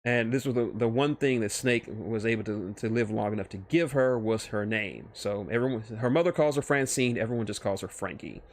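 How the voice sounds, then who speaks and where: A man streaming casual commentary on his own fictional characters, halting and often restarting his phrases as he explains. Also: lowish voice.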